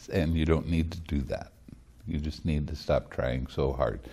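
Against a quiet background, a man speaks in a dark, mellow tone with vocal fry. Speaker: meditation teacher monk. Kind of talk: dharma talk to retreat audience. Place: home room.

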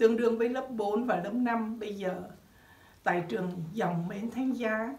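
Lively in intonation, a woman talks at a fairly slow pace in a room with audible echo. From northern Vietnam, raised in Saigon. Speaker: former medical student, interviewee. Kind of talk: personal testimony. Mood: calm, nostalgic, earnest. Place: studio.

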